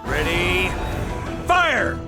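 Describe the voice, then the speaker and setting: A man's voice: high-pitched, huge pitch swings, very slow, heavily acted. A man playing a bold, confident grandmaster of knights in a video game, commanding and assured. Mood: rousing. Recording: loud game music behind. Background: game music.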